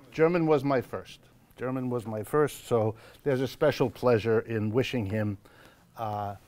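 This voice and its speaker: A man hosting a live event in a church hall, making announcements to the audience in a measured, wry way with frequent pauses and fillers. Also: mid-range voice. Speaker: host of a monthly lecture event.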